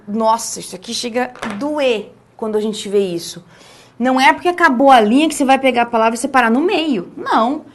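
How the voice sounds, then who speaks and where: A woman with a Brazilian Portuguese accent teaching a lesson on essay writing, stressing key words by drawing them out slowly and checking in with the listener often. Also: on the high side, fairly bright tone.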